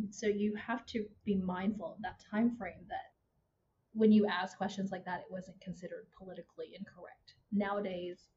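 A woman's voice: mid-range voice, normal speed. Chatty Texan woman, muffled noisy recording. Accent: Texas. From Houston, Texas, born in Vietnam. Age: 40s. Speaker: podcast guest. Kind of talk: casual conversational interview. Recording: muffled with steady background noise.

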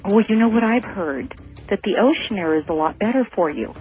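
A woman's voice: medium pitch, lively intonation, fairly quick, faint music behind. A woman calling a radio show, chatty and curious, with many ums between her questions. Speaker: caller. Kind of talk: call-in chat. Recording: phone line with faint hiss.

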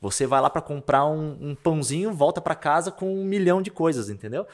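A man's voice: on the high side, brisk. A young man, a podcast co-host telling a personal story in casual chat, acting out the dialogue with lots of slang. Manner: animated storyteller, acts out dialogue with shifting voices, peppers speech with slang.

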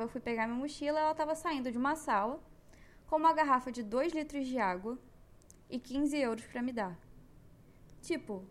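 A young Brazilian woman with a Brazilian Portuguese accent, hosting a podcast and telling a personal story in an emotional, animated way. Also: high voice. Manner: emotional, animated retelling with slang. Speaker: podcast host.

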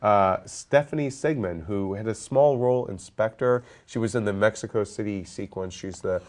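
A man's voice: on the low side, moderate pace, a little mellow. A stuffed-up man hosting a movie podcast, chatting casually and joking around with lots of fillers. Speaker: podcast host. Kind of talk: casual roundtable chat.

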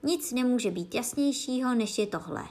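A pompous, fussy storybook king, as a woman reading aloud puts him on, speaking in a soft, lower murmur. He mutters and sounds self-satisfied. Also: lively intonation, close to an everyday voice. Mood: pompous muttering. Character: pompous fussy old king of a card court.

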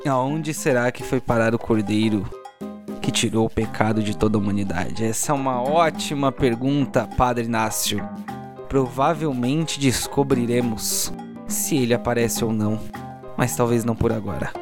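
A man's voice: medium pitch, normal speed. A man with a Brazilian accent, working as game master and narrating a tabletop RPG audio drama in a theatrical, storytelling way. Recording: music behind the voice. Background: soundtrack music.

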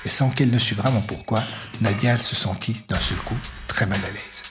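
A man narrating an audio story in a measured, steady way, with music underneath. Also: fairly low pitch.

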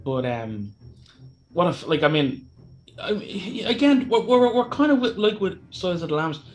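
A man's voice: fairly high pitch, very animated, moderate pace, soft background music. A man co-hosting a horror film podcast, sounding froggy from a cold, rambling and laughing a lot. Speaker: podcast co-host. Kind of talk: casual film chat.

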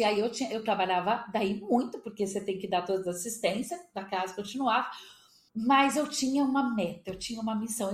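Animated Brazilian woman in her fifties. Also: on the high side. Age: 50s. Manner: lively, animated retelling with quoted dialogue. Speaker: podcast guest. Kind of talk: casual storytelling interview. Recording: echoey room.

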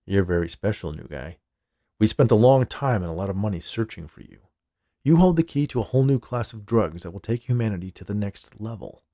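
A powerful, smug chief executive, acted out by a male storyteller, speaks with cool condescension and menace. The voice is low and gravelly, commanding in delivery, in a very dry recording. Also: animated, brisk, mellow, no room sound. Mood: smug, assured.

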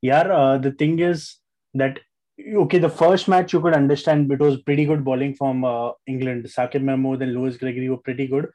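A man's voice: medium pitch, level tone, brisk, warm tone, rough recording. A man with a South Asian accent co-hosting a podcast, chatting casually about sport with some Hindi-Urdu mixed in. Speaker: podcast co-host.

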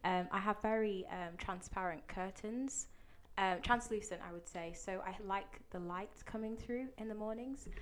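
A woman guest on a casual Christian podcast, talking in a sunny, animated way. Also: mid-range voice, normal speed.

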